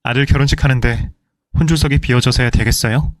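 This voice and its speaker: Give me a man playing a brazen young groom in a story drama who talks down to people, curt and contemptuous, mid-pitched, in a dry and close recording. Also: steady tone, fast talker, no room sound, natural voice.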